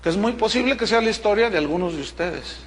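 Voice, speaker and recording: A man's voice: high voice, lively intonation, fast, a little hiss or hum. A middle-aged man preaching a sermon as pastor, emphatic and stopping to check that his listeners follow. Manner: emphatic, with rhetorical check-ins to the congregation.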